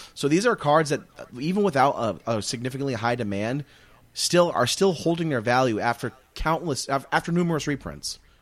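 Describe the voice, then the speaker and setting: Here is a man with an ordinary speaking voice, fairly high pitch and lively intonation at a fairly quick pace. The recording is very clean, with a silent background. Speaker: podcast host. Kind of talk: casual debate.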